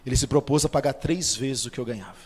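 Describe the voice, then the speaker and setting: A man with a Brazilian Portuguese accent gives a spoken testimony as a preacher, telling his story with lively acted-out dialogue. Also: quick pace, slightly rough. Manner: storytelling, acts out quoted dialogue with shifts of pitch and loudness. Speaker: Catholic lay preacher. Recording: long hall reverb.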